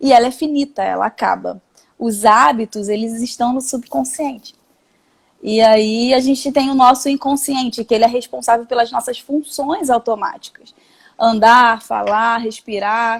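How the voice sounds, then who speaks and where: Moderate pace with ordinary pitch variation. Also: woman. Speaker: anxiety and mindset speaker. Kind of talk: live stream talk. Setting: live stream.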